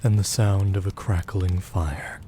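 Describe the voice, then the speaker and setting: A man narrating a scripted audio drama in a measured storytelling manner. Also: low-pitched, steady tone, warm tone. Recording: faint background noise.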